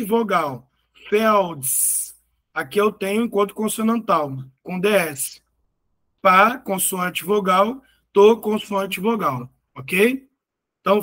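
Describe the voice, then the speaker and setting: A man with a rather high, slightly bright voice explains exam questions at an unhurried pace. Going through the answers patiently, he splits words into syllables, repeats them, and often pauses to make sure students are following.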